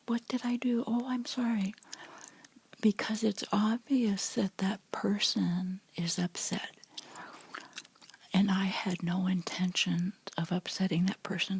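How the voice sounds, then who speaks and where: Middle-aged woman whispering asmr-style, super breathy, bit of fry, rambly. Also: mid-range voice. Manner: soft whispering, rambling with restarts and fillers. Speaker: vlogger.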